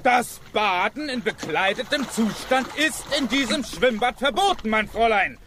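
A man's voice: very high voice, lively intonation, normal speed, background noise. A man acting a stern, officious swimming pool attendant in a German children's audio drama. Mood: stern scolding.

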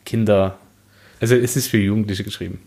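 A man's voice: fairly low pitch, fairly even intonation, brisk, creaky, darkish tone. A man co-hosting a podcast, talking in a casual, chatty style. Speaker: podcast co-host. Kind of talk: casual chat.

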